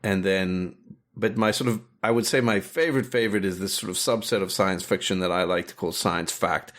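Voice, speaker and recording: A middle-aged South African director and animator, appearing as an interview guest, chats casually and rambles with lots of restarts and fillers. His voice is low, brisk and a little bright, with fairly even intonation.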